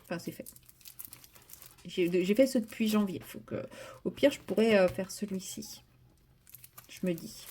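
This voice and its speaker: A woman's voice: medium pitch, unhurried, pauses often, dark tone, husky. A woman vlogging casually at home, chatty and rambling, with many fillers and restarts. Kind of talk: casual chat.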